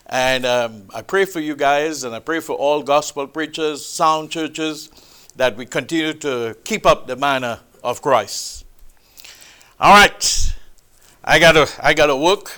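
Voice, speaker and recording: A man preaching a sermon, with a loud, booming, emphatic delivery, speaking into a microphone in a church hall. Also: smooth. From Trinidad. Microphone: handheld or stand mic.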